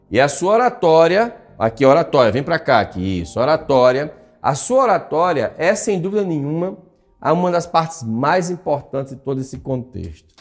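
Over background music, a man with a fairly high voice speaks at a moderate pace, his pitch swinging very widely. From Brazil, Northeast. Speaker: instructor. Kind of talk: online lecture. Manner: conversational, many fillers.

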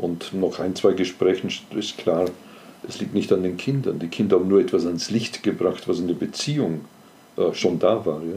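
A man talks at a moderate pace in a very deep, low voice with a dark, mellow tone. His pitch varies in an ordinary way, and he takes long, frequent pauses. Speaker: couples counselor. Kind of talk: interview.

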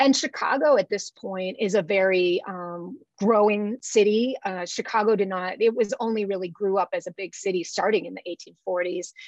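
Here is an unremarkable speaking voice with an American accent at a moderate pace. The sound is dry and close, with no echo. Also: woman, medium pitch for a woman, ordinary pitch variation, hardly any pauses. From US Midwest, Illinois. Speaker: history professor. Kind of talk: lecture-style interview answers.

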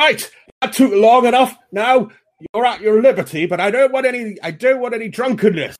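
This is a put-on character voice, loud and gruff. It sits at a fairly high pitch and a moderate pace. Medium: actual play. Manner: gruff, loud.

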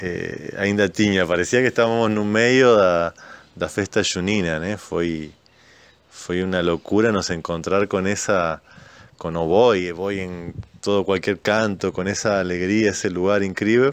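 Rather slow, fairly level speech from a man with a very deep, low voice. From Uruguay. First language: Spanish (speaking Portuguese). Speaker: circus performer. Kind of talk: recorded testimonial. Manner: halting.

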